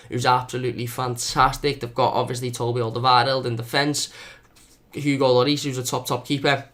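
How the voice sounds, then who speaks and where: Fast-talking Scouse football fan vlogger. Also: male voice, medium pitch, fairly bright tone. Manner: repetitive, earnest, doubles his words. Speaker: fan channel host. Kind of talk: football preview vlog.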